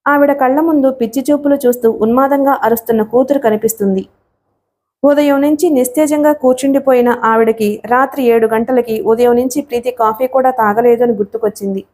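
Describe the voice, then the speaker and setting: Soft-voiced woman narrating a novel. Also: a little high, steady tone, a little fast. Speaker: audiobook narrator.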